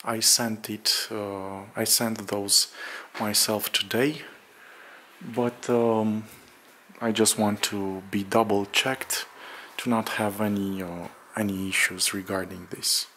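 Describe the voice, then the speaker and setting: A man narrating a casual walk-through vlog in a halting, hesitant way with drawn-out pauses, recorded indoors on a handheld camera. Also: on the low side, flat delivery, bright, forceful tone, slight background noise. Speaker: vlogger. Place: bare room under renovation, indoors, windows open.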